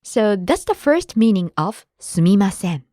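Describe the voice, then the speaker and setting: A woman co-hosting a language lesson, modeling phrases clearly and adding short explanations. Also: mid-range voice, very animated, a little slow, mellow, no echo, studio quality. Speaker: native-speaker co-host of a language lesson. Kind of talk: scripted lesson dialogue.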